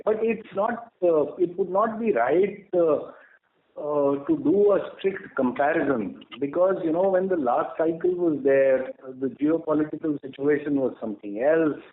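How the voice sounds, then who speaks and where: Echoey, halting Indian man on conference call. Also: fairly high pitch, animated, phone-quality sound. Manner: halting, measured, with frequent mid-sentence pauses. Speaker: company executive answering analyst questions. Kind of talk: earnings call Q&A, spontaneous explanation. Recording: echoey, band-limited conference call line.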